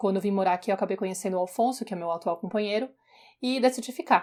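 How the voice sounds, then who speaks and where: A woman with an unremarkable speaking voice talks at a medium pitch with ordinary pitch variation on a very clean recording with a silent background. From São Paulo, Brazil. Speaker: podcast host, journalist. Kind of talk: podcast self-introduction.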